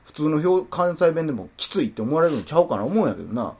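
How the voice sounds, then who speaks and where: A man in his twenties chatting with a Kansai accent, his voice swooping wildly up and down. He talks fast, with a husky edge, teasing his co-host. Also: fairly high pitch, very animated, darkish tone. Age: 20s. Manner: teasing, reads listener mail aloud. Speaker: podcast co-host. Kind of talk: casual chat.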